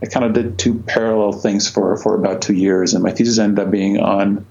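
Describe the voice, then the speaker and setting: A man's voice: lowish voice, flat delivery, fairly quick, creaky, darkish tone, highs cut off. A man in his forties from Croatia, answering interview questions about his career in a hesitant way, with many fillers and restarts. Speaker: astronomer guest.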